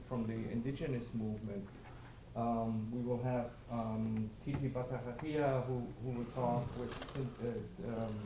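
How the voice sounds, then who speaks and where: A man's voice: mid-range voice, creaky, background noise. Man with a Spanish accent in an echoey hall. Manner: halting, many "um" fillers, non-native phrasing. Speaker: co-director of a conference, guest speaker. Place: church hall before an audience.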